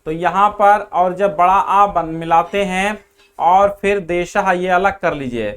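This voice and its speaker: A man's voice: sits high, slow, fairly bright tone, clean tone. A man teaching grammar in an online exam-prep class, explaining step by step and repeating the key answers.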